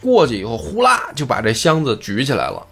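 Lively male storyteller. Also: medium pitch, brisk, slightly rough, soft background music. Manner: chatty, colloquial, lively asides. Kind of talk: casual storytelling.

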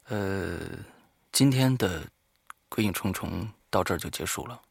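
A man talking informally and haltingly to listeners as the host of a horror story show, alone in a studio. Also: low voice, vocal fry, husky, no echo. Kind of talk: informal spoken monologue to listeners.

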